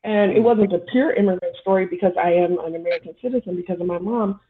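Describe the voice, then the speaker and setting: A woman's voice: lowish voice, fast talker. A woman in her forties, born in Somalia, speaking as a guest on a casual panel chat in a candid, rambling way. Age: 40s. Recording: tinny phone-like line.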